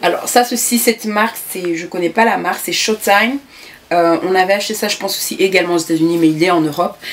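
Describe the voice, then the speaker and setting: A woman's voice at a fairly quick pace, with ordinary pitch variation and noticeable background noise. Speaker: beauty vlogger. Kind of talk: product review vlog. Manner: fast; hesitant, many fillers.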